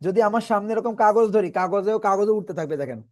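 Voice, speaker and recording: A man teaching Quran reading in an online class, patiently explaining and slowly repeating letter sounds for his students. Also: sits high.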